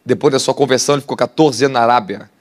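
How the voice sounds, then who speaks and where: A man with a Brazilian Portuguese accent preaching a sermon, animated and laughing, putting questions to the congregation. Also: medium pitch, racing. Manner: animated, asks the crowd questions, laughs often. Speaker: apostle preacher. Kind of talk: sermon teaching.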